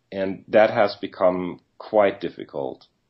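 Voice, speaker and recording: Very deep and low in pitch, this man talks at a very slow pace with fairly even intonation. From Germany. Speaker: singer-songwriter. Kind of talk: interview.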